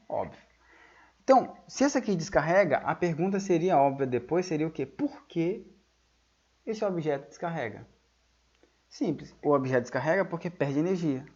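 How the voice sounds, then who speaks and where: A male physics teacher giving a classroom lecture, explaining patiently, checking whether the students follow, and dictating key terms slowly for notes. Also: on the high side, darkish tone. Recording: dull lo-fi audio.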